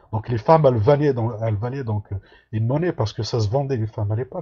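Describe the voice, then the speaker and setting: A man with a somewhat breathy, medium-pitched voice speaks at a fairly quick pace with ordinary pitch variation. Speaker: participant in open online debate. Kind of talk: debate. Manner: halting, many hesitations.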